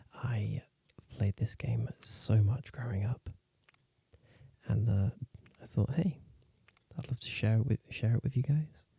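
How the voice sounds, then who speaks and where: Soft-spoken man with a dark, mellow tone, somewhat breathy and relaxed, medium in pitch with ordinary pitch variation, at a fairly slow pace with long, frequent pauses. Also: dry, close sound with no echo. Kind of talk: ASMR gameplay ramble, soft-spoken talk to camera. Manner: soft-spoken, quiet, relaxed.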